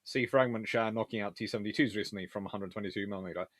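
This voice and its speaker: A man hosting a casual live question-and-answer stream on naval history, chatty and animated, talking in a stop-start way with trailing asides. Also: lowish voice, rapid-fire, dry recording, clean studio sound. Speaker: livestream host answering viewer questions.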